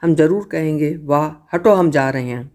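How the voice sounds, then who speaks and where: A woman's voice: deep voice, moderate pace, darkish tone, lightly acted. A woman voicing a bossy older brother who teases and threatens his sisters. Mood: teasing. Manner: teasing, threatening to tell mother.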